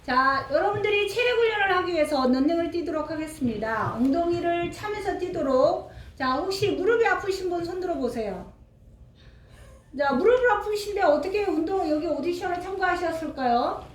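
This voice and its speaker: Brief: female trainer acted by a woman, brisk and demanding, very high voice, echoey stage room. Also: animated. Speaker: exercise instructor in a stage play. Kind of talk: instructions to a group on stage. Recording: echoey room with faint background noise.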